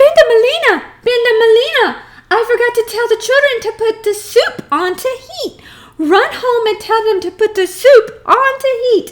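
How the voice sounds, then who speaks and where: A squeaky, put-on character voice from a woman, extremely high in pitch, with ordinary pitch variation and a moderate pace. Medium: read story.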